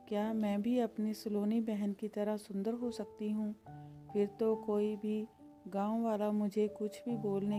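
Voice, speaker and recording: A woman's voice: mid-range voice, close to an everyday voice. A woman voicing a sad young village girl in a storybook tale, pleading and emotional. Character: sad plain village girl, tearful and hopeful. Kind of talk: storybook character voice.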